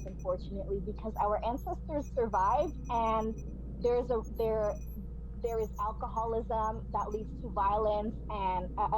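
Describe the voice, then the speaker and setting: A woman's voice: on the high side, background noise. A woman from New York City, guest on a podcast, talking earnestly and passionately, often restarting her sentences. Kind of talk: heartfelt interview talk.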